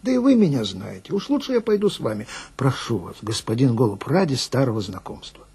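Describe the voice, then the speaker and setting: A man playing a husky, sighing old swindler. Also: mid-range voice, sing-song, a little fast, darkish tone, full character voice. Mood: polite pleading. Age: 50s. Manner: obsequious, sighing, wheedling, self-righteous. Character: polite, plaintive 52-year-old male marriage swindler with dignified airs. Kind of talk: dramatic monologue, character dialogue.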